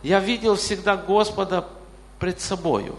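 Male pastor, late 40s, gravelly voice, reverberant hall. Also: sits high, measured pace. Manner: questions the congregation directly. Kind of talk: sermon.

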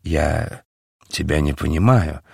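A man's voice: sits low, unhurried, vocal fry, a little mellow, slightly rough, dry recording, studio quality, heavily acted. A man voicing Barabbas, a passionate, brooding man speaking with dejected bitterness. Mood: dejected, bitter.

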